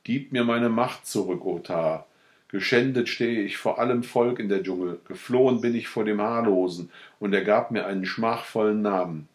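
A man's voice: lowish voice, normal speed, close to an everyday voice. A man reading a story aloud and voicing the first tiger, a proud male beast pleading in shame. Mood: pleading lament. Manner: lamenting, pleading. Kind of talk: audiobook reading.

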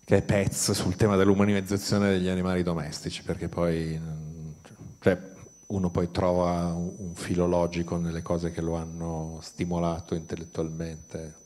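Middle aged guy, low voice, chatting on a stage panel with a hand mic. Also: flat delivery, normal speed, mellow. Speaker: panel speaker. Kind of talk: conversational panel discussion. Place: stage of a museum auditorium. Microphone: handheld microphone.

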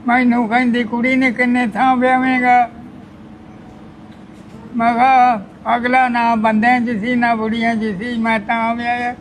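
Older man, very high flat voice, halting plain speech, faint background noise. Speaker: elderly father taken into care.

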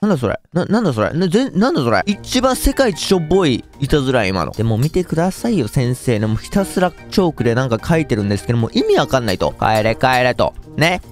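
Young male gaming host, slightly high, very lively voice, excitable and jokey, faint music underneath. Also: fast, hardly any pauses. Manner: excitable, jokey, talks to viewers. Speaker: gaming YouTuber. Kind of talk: game commentary.

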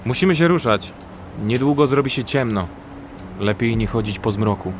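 An actor playing a protective, pragmatic young survivor in a horror audio drama, speaking practically and in control. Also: male voice, mid-range voice, animated, normal speed, noisy background, natural voice. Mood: terse, practical. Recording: music under the voice.

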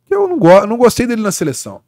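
Man, from Brazil, podcast guest, animated storytelling, slightly high voice, dry close sound. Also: rapid-fire, no echo. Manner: animated storyteller, frequent "né, cara" tags. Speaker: guest sports journalist. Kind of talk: casual podcast chat.

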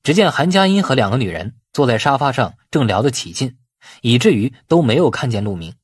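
A man reading a novel aloud as expressive scripted narration. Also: mid-range voice, fairly quick, husky, no room sound, clean studio sound. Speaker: audiobook narrator.

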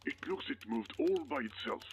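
A man's voice: medium pitch, sing-song, normal speed, slight background noise. An actor voicing a furtive, anxious talking program in a video game, as a male character.

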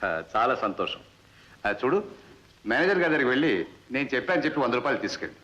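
Wealthy old man, dignified, bright sharp tone, dull vintage audio. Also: mid-range voice, lively intonation, quick pace. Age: older. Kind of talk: 1960s film acting. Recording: dull old film soundtrack.

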